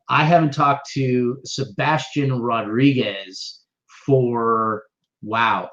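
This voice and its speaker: A man hosting and producing an interview show, talking in an excitable, playful way. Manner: excitable, playful, jumps up and down in pitch. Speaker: podcast host and producer. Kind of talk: casual interview chat. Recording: slightly dull lo-fi sound.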